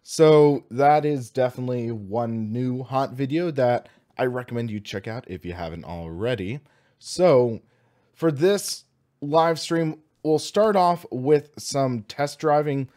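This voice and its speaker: An American man in his twenties with a slightly hoarse voice, chatting casually and enthusiastically as he hosts a gaming livestream. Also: medium pitch, slow, dark tone. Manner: upbeat, enthusiastic, informal. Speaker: host of a sim racing livestream.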